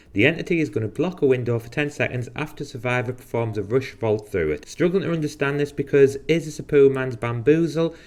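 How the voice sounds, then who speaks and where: Casual man explaining a video game. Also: medium pitch. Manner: casual, dry sarcastic asides. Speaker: gaming video host. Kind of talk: game guide commentary.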